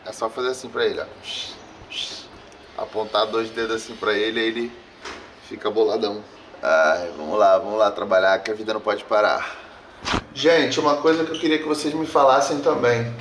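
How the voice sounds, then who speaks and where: A man's voice: fairly low pitch, steady tone, brisk, far from the mic, a little hiss or hum. Young man with a sore throat. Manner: slangy, talks straight to camera. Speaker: vlogger. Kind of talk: casual vlog chat. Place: outdoors against a sunny wall.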